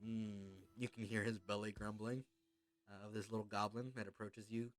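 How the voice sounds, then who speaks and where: A man narrating a tabletop role-playing game as game master, describing scenes in a casual, halting way. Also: on the low side, little pitch movement, soft background music.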